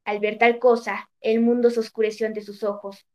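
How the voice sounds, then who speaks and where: Woman, storybook narrator, measured reading, slightly high voice. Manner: measured, even reading of an old tale.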